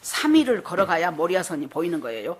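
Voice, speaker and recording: Husky older woman pastor preaching. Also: lowish voice, very animated, fast talker. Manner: storytelling, acting out quoted voices. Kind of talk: sermon.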